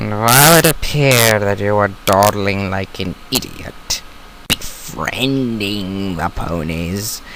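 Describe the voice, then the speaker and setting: A man's put-on character voice, fairly low in pitch and fairly slow, with clear background noise. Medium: audio drama. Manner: cold, accusing.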